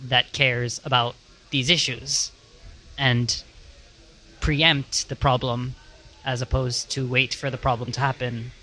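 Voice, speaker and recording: A man at a roundtable makes his points in a measured way. He talks very slowly, and his tone is bright. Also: medium pitch, little pitch movement. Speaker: roundtable participant. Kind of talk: casual roundtable discussion.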